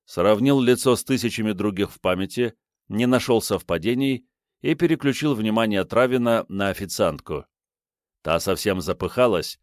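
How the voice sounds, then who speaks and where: A man narrating an audiobook novel in a measured, even storytelling manner on a close studio mic. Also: lowish voice, no room sound. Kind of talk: scripted narration.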